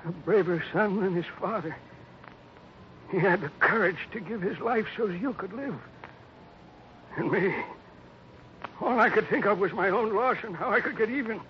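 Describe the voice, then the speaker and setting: A high-pitched old man of the West played by an actor, grieving and halting as he speaks. The style is emotional radio drama of the 1950s, on a dull recording with faint hiss. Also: lightly acted. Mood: remorseful, choked. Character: bitter, grieving old Western father, humbled and halting.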